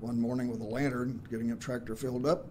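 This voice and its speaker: A man speaks with a Midwestern American accent at a medium pitch. His tone is dark and mellow, with audible room echo. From Indiana. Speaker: retired soil scientist. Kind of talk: oral history interview.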